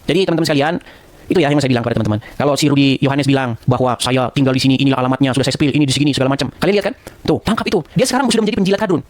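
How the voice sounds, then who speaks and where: A man's voice: mid-range voice, racing, no echo. A man hosting a Christian apologetics channel, speaking straight to camera, calling his target by name again and again. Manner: scolding, repeatedly calls the target by name. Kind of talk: direct-to-camera rebuke.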